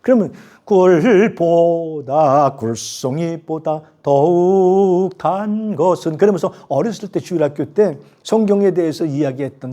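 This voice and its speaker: Older male professor in his sixties; chatty lecturer, husky and mellow, higher-pitched. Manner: chatty storytelling, rhetorical questions. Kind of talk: university lecture.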